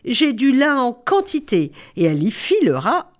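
A woman voicing a stern queen who gives orders in a lowered, imperious voice. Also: huge pitch swings, moderate pace. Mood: commanding.

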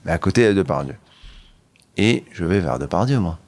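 A middle-aged man, a podcast guest, talks in a low voice that stays lively as he tells stories. He restarts his sentences and breaks into bursts of excitement. The sound is close and dry, with no room echo. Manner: animated storytelling, halting restarts, bursts of excitement. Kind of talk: candid interview talk.

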